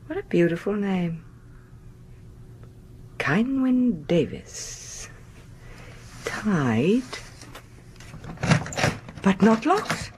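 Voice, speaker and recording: Posh-ish curious lady of the house, radio drama, slow n dramatic, swoopy pitch, bit of background hiss. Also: a little mellow, full character voice. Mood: wondering, hushed. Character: curious, persistent genteel mistress of the house.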